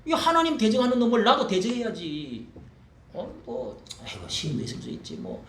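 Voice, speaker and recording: A man preaching a sermon as a pastor, emphatic, swinging between loud bursts and low asides, in a church sanctuary. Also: huge pitch swings, a little fast. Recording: echoey hall, faint ambience.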